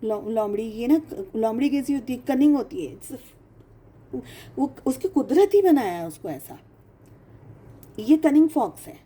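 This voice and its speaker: A woman's voice: fairly high pitch, animated, unhurried, long pauses, mellow, breathy edge. A woman giving a casual tarot reading, speaking emphatically, repeating phrases for stress and mixing English phrases into her talk. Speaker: tarot reader.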